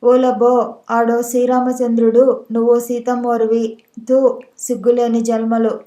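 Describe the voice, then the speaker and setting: A woman's voice: a little high, monotone, moderate pace, warm tone, lightly acted. A woman voicing a hot-tempered, mocking village man who scolds in rustic dialect. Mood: sneering. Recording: echoey room.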